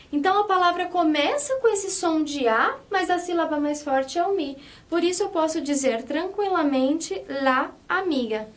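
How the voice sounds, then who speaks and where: A woman teaching a language lesson, explaining patiently step by step, switching between two languages and checking that students follow. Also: sits high. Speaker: Spanish teacher.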